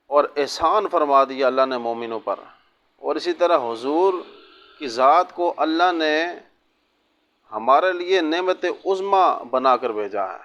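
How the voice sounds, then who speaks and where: A man speaking as a Muslim cleric, giving religious guidance in a didactic, measured way with short segmented phrases. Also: a little high, a bit bright, highs cut off. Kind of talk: religious sermon answering a question on Islamic rulings.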